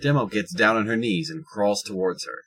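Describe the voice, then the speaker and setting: A man narrating a scripted audio drama in a husky voice. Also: lowish voice, moderate pace, fairly bright tone, low-quality recording.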